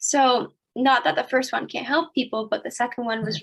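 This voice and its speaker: A woman has an unremarkable speaking voice. She talks at a moderate pace with ordinary pitch variation. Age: 20s. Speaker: author and mental health speaker. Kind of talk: interview answer.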